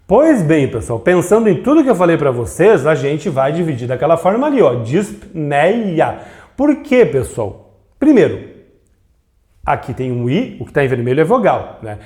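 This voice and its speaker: Delivering a grammar lesson on video, a man speaks with a fairly high, sing-song voice that has a darkish tone, moving at normal speed. He breaks things down step by step, answers questions he raises himself, and elongates syllables for demonstration.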